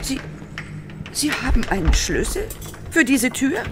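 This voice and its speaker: A woman playing a frightened, irritable captive in a horror radio play, halting and indignant. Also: high voice, big pitch swings. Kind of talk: German horror audio drama acting.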